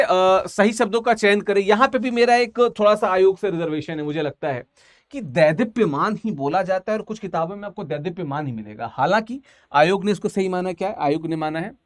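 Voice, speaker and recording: A man's voice: high voice, lively intonation, brisk, dry recording, studio quality. A man teaching an online exam-prep language class, talking casually and repeating each answer several times.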